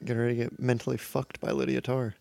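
Gravelly, excitable podcast co-host. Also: male voice, medium pitch, fast talker, no room sound. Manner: excitable, swears often, jokey. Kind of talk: casual live commentary.

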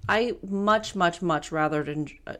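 A woman co-hosting a movie podcast, talking in a candid, rambling way with quick bursts of speech. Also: fairly low pitch, a bit bright. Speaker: podcast co-host. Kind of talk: casual movie-review chat.

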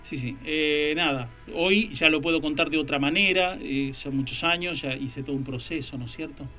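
A man's voice: fairly high pitch, normal speed, bright, forceful tone, soft background music. Argentine man telling a personal story. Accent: Argentine Spanish. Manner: reflective, emotional storytelling with quoted dialogue. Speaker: writer and podcast co-host. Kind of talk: casual conversation, personal storytelling.

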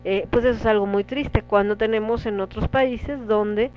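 A woman's voice: medium pitch, steady tone, normal speed, slight background noise. A woman with a Mexican Spanish accent hosting a casual talk show, chatting with listeners and reading out their comments. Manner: conversational, reads listener comments aloud. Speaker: radio show host. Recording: dull lo-fi sound with faint music.

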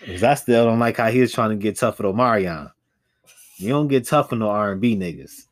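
A man's voice: lowish voice, fairly quick. A man from Chicago with a Chicago accent, co-hosting a casual gossip chat with blunt, profane, slangy put-downs. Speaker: podcast co-host.

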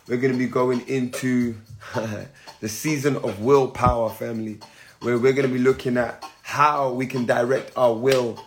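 A man with a hoarse voice giving an easygoing spiritual talk to his listeners, calling them family again and again. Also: mid-range voice, slight background noise. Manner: keeps saying "family", easygoing and encouraging. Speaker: spiritual teacher and podcast host. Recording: music playing behind.

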